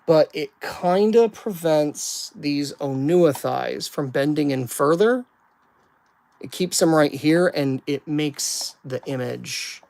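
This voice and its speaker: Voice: mid-range voice, a little mellow. A toy builder giving a casual live-stream build walkthrough, rambling and self-deprecating and thinking aloud while putting pieces together.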